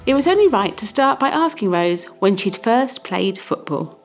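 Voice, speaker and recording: A woman's voice: medium pitch, big pitch swings, moderate pace, soft background music. A woman hosting a podcast, reading a scripted introduction and interviewing her guest.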